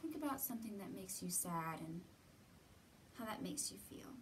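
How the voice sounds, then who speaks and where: A woman in her thirties gently guiding young children through a lesson, asking simple encouraging questions and pausing often. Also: medium pitch, lively intonation. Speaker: children's storytime host. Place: indoor library room with bookshelves. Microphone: camera a few feet away. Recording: distant mic, roomy ambient noise.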